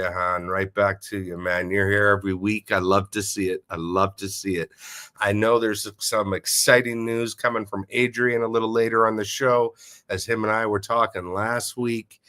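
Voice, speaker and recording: Male livestream host, slightly low, congested and nasal from a cold, upbeat and chatty. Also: little pitch movement, moderate pace. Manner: upbeat, shout-outs to listeners. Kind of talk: casual livestream chat.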